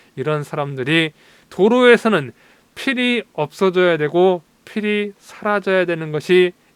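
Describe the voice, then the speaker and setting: A man talks at a fairly slow pace with lively intonation. The sound is dry and close with no echo. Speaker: motorcycle vlogger. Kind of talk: angry commentary reading comments. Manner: heated, agitated.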